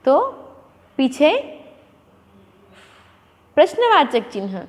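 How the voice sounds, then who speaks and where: A woman's voice: high voice, big pitch swings, very slow. A woman teaching a school lesson to children, explaining patiently and mixing Hindi with English words. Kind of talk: classroom lesson. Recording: long echoing reverb.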